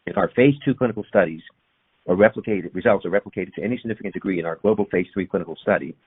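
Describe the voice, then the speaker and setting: A man's voice: deep voice, husky. A man reading a formal, technical corporate presentation from a prepared script, as an executive on an earnings call. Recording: muffled, band-limited conference call audio.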